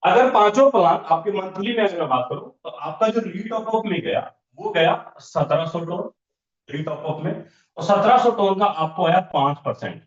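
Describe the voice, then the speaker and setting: A man's voice: high voice, expressive, normal speed. A man running an online business training session, repeating figures as he walks through the sums step by step. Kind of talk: online training session explaining income plans. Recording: roomy, dull lo-fi online call audio.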